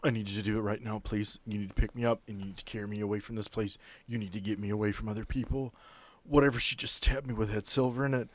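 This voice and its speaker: Wounded male lycanthrope played by a male game master, hushed and urgent, clipped pleas, very dry close sound. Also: on the low side, steady tone, fast, no echo, pitched below the performer's own voice, close to an everyday voice. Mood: urgent, pleading.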